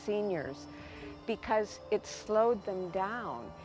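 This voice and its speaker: A woman talks at a moderate pace, pitch varying in an ordinary way, as music plays in the background. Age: 80s+. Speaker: yoga teacher. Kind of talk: testimonial.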